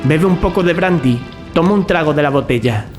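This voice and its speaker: An actor playing a level-headed young male student in an audio drama, brisk and commanding. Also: fairly high pitch, expressive, close to an everyday voice. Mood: serious. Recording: music behind the voice.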